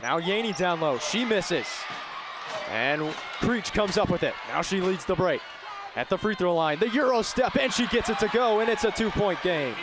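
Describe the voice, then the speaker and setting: A man's voice: high voice, animated, normal speed. A young American man doing live play-by-play sports commentary, projecting with urgency. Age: young adult, about 20. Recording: loud crowd noise from the arena. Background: sports crowd and game ambience.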